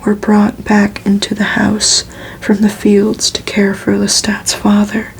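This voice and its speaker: A woman reading a story aloud in a hushed, unhurried, soothing ASMR whisper, as if for relaxation. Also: medium pitch, monotone, gravelly, slight background noise, low-quality recording. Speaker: ASMR reader.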